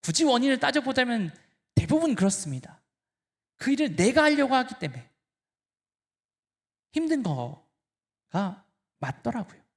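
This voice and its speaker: A male pastor delivers an impassioned sermon, his pitch leaping and falling in a lively, animated way. He drops to near-hushed lines and then rises hard, speaking directly to the congregation as he preaches. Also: unhurried, long pauses. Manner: impassioned, swinging between hushed and loud.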